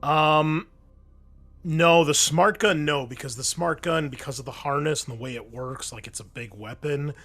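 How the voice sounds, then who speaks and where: A man's voice: fairly high pitch, normal speed, fairly bright tone, faint music behind. A man acting as game master, explaining rules to players in a casual, conversational way. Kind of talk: casual tabletop game refereeing.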